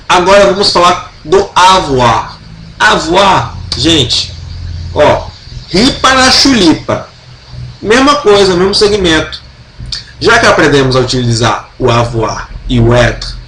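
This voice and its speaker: A Brazilian man teaching a French grammar lesson in a casual, chatty way, slowly repeating example sentences and adding playful asides. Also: on the high side, a bit bright, reverberant, slight background noise, rough recording. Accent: Brazilian Portuguese.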